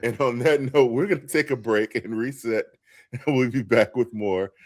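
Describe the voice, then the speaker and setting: A man's voice: medium pitch, normal speed. A man hosting a podcast, quizzing his co-host in a playful way and laughing easily.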